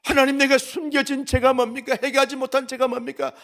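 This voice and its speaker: A man voicing Job, a suffering man pleading loudly with God. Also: extremely high pitch, flat delivery, fast. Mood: anguished.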